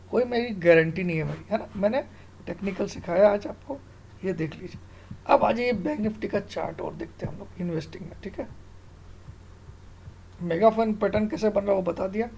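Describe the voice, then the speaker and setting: A man's voice: high-pitched, a little fast, creaky, a little mellow, slight background noise, poor audio. A middle-aged man explaining informally like an online tutor, self-assured and emphatic, often putting questions to the listener and checking they follow. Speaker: stock market analyst and online tutor. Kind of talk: informal screen-tutorial explanation of trading charts.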